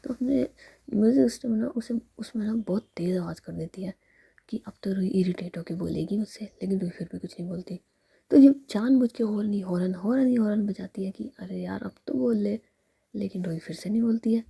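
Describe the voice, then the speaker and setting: A young woman narrates a romance in a soft, intimate whisper. Her voice is very breathy and husky, deep and mellow, with a gravelly creak. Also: brisk. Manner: soft, intimate, retelling in present tense. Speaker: storyteller.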